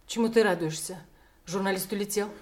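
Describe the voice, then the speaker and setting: A woman's voice: mid-range voice, steady tone, a little fast, lightly acted. An actress playing a stubborn, distraught young woman in an audio drama, pleading and insistent with her lover. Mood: subdued.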